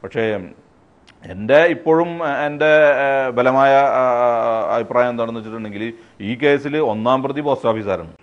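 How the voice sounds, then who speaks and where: A man's voice: medium pitch, lo-fi sound. A man giving an unscripted interview account, hesitant and searching for words, mixing in English words. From Thrissur district, Kerala, India. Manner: halting, hesitant, frequent word searching, English words mixed in. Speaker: interviewee, fraud victim.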